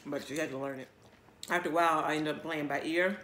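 A mukbang vlogger talks casually and off the cuff at a quick pace, voice mid-range, steady, pushed, and bright. Her mouth is often full, and she chews between phrases. The recording has a roomy echo and faint background noise.

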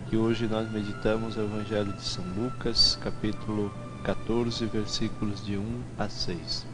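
Earnest Brazilian priest preaching over music. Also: male voice, lowish voice. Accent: Brazilian Portuguese. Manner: earnest, unhurried preaching with frequent pauses and restarts. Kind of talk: daily gospel reflection. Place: small TV studio with cross backdrop. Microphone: headset mic.

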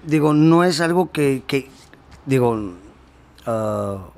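A man's voice: mid-range voice, lively intonation, slow, vocal fry, a little mellow. A male singer, talking casually in an interview, rambling with many restarts and slang.

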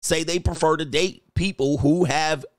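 A man's voice: on the high side, steady tone, moderate pace, no room sound. A man in his fifties hosting a livestream from a home studio, talking emphatically and repeating his points like a preacher. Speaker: livestream host. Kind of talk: opinionated livestream commentary. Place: home studio with gaming chair. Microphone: studio mic on boom, headphones on.

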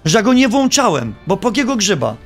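Guy streaming a truck game live, high voice that swings all over, jokey and fed up in a fun way. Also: fast, faint music behind. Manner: animated, joking, playfully exasperated. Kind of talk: live gameplay commentary.

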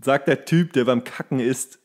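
A man's voice: mid-range voice, moderate pace. A man co-hosting a podcast, chatting casually and colloquially in a jokey, teasing way. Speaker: podcast co-host and actor. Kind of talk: casual comedic podcast chat.

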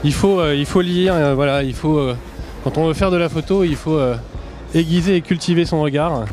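A man's voice: on the high side, brisk, a little mellow, faint music behind. A man reporter roaming a busy exhibition hall, talking casually to camera with many fillers and restarts. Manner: chatty, hesitant with many fillers. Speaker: reporter roaming a trade show. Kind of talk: casual walking commentary and vox-pop.

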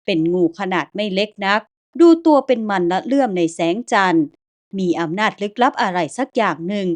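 A woman's voice: medium pitch, animated, a little fast. Woman narrating a ghost story. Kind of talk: scripted first-person ghost story narration.

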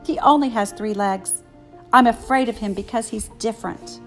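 A woman voicing a timid, excitable little girl in a children's storybook. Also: a little high, moderate pace, soft background music, natural voice. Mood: afraid.

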